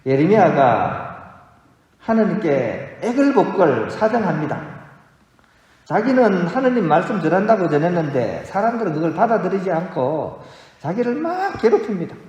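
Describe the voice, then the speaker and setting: A man preaches a homily, telling stories and often asking his listeners questions. His voice is mellow and on the higher side, with lively rises and falls. It rings out with a long reverb through a large church hall. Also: moderate pace. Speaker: Catholic priest. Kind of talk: homily to a congregation.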